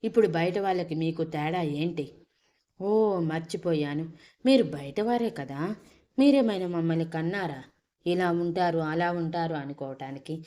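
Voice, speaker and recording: A woman voicing a young man mourning his sister, his voice halting and breaking, in a storybook reading. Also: fairly high pitch, warm tone, close to an everyday voice. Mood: cold fury.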